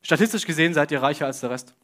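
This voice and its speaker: A man's voice: fairly high pitch, lively intonation, racing, a bit bright. Young man preaching with jokey asides. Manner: casual, joking asides, questions to the audience. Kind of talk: sermon to a congregation.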